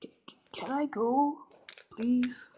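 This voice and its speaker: A woman voicing a shy, nervous young male character, halting and breathy, for an amateur audition. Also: sits high, steady tone, mellow, highs cut off. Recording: faint background noise with clicks.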